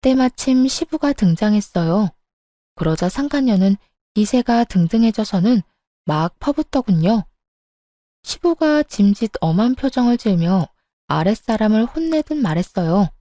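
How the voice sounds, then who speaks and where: Female story narrator, warm dark tone, dry close recording, indignant first-person telling. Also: mid-range voice, animated, normal speed, no room sound.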